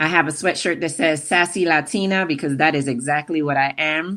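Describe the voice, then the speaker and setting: Speaking at a moderate pace, a woman has a very deep, low pitch and a bright, sharp tone. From New York, the Bronx. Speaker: podcast co-host. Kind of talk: casual chat.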